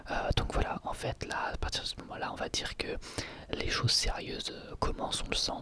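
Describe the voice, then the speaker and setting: An ASMR reviewer speaking informally in a halting, hesitant way, close to the microphone, in an episode review.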